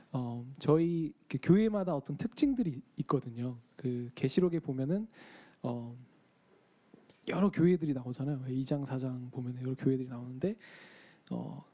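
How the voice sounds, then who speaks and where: A man's voice: fairly high pitch, dark tone, low-quality recording. A young man preaching a casual sermon in a church, chatting with the congregation, asking them questions and acting out quoted lines. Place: church sanctuary.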